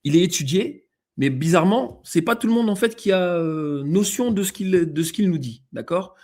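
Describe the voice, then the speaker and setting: A man's voice: high voice, expressive, moderate pace, darkish tone. A man with an accent, a guest on a show, explaining slides and reading passages aloud, with many fillers and restarts. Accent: non-native-sounding accent in French. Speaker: guest presenter.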